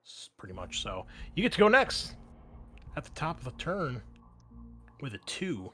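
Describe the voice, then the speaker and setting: A man's voice: mid-range voice, sing-song, moderate pace, sharp tone, soft background music. A man, acting as game master in a casual tabletop session, explaining rules informally as he goes.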